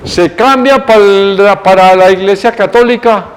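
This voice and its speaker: A man's voice: sits high, moderate pace, in a large hall, voice pushed up, natural voice, low-quality recording. A man playing a bossy Catholic archduke. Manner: blunt, threatening, mock-casual.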